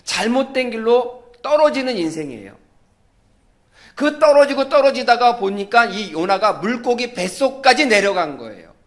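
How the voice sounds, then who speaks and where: A man with a high voice preaching a Sunday sermon. He tells his stories in a lively way and acts out the people in them. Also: normal speed. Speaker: pastor.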